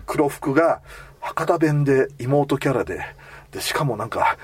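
A man's voice: mid-range voice, moderate pace, breathy edge. A man hosting a casual anime chat, telling stories and acting out the lines of the people in them. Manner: animated storyteller acting out quoted lines. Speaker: podcast host.

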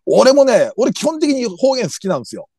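A man's voice: very high-pitched, brisk, slightly rough, dry recording, clean studio sound. A man co-hosting a comedy podcast, chatting casually about anime characters in a chatty way, full of fillers. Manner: animated, chatty, hedging with fillers.

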